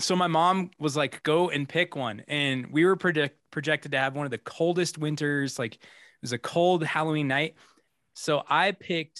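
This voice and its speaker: A man with an American accent speaks at a moderate pace in a bright, sharp tone and a fairly high pitch, with ordinary pitch variation, in a dry, close sound with no echo and a very clean recording with a silent background. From Colorado. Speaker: podcast host and touring musician. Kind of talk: casual chat.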